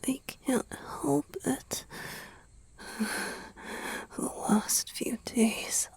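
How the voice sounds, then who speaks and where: A woman playing a lovestruck male vampire boyfriend in a romantic ASMR roleplay, whispering a slow, halting confession full of tormented longing. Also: high voice, steady tone, a little mellow, heavily acted. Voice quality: breathy whisper.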